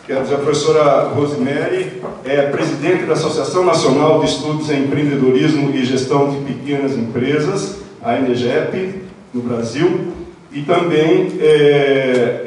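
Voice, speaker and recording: An older man with a Brazilian accent moderating a seminar panel, speaking formally and haltingly as he searches for words. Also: medium pitch, a little mellow. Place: large indoor auditorium at panel table. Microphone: handheld microphone through hall, far camera. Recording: echoey auditorium, distant mic, faint noise.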